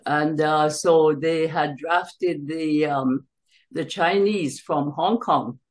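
An older Jamaican woman, around her seventies, speaks in a low voice about her family's history. She's an author being interviewed over a video call, answering hesitantly with long pauses. The computer mic picks her up from a small, bright room in her home.

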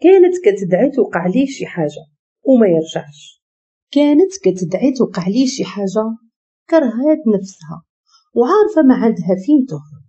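Expressive Moroccan woman storyteller. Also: on the high side, fairly quick, highs cut off. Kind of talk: dramatic story narration.

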